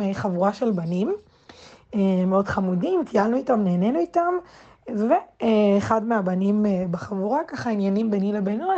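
Young woman, 20s, casual anecdote, hesitant fillers, mellow tone, dull lo-fi sound. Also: mid-range voice. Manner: unhurried, with frequent hesitant fillers. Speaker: guest storyteller. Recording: slightly dull lo-fi recording.

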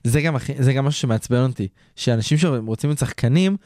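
A man's voice: no echo, studio quality. A young man telling a dating story in casual chat, acting out the quotes. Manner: lively, expressive, acts out quotes in a higher voice.

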